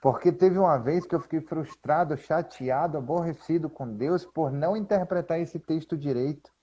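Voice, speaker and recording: Man, mellow voice, lo-fi sound. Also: on the high side, breathy edge. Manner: animated, reads scripture aloud slowly with emphasis. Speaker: co-host. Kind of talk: casual Bible discussion. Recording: dull lo-fi sound.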